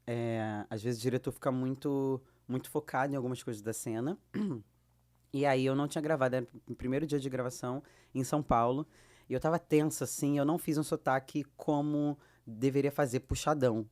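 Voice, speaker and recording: A Brazilian woman with a Brazilian Portuguese accent, a guest actress telling lively anecdotes and acting out the dialogue she quotes. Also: very deep voice, a little fast. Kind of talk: casual storytelling.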